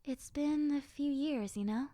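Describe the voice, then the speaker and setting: A woman playing a gentle, chatty young zombie girl in a roleplay audio drama, musing conversationally to the listener. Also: high voice, a little slow, dry recording. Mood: earnest, wistful. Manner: soft-hearted, conversational, musing.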